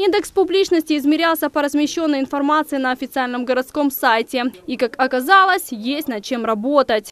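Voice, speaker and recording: A woman talks at a fairly quick pace with hardly any pauses, her high pitch heard in a dry, close sound with no echo. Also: ordinary pitch variation. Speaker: TV reporter. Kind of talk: scripted narration.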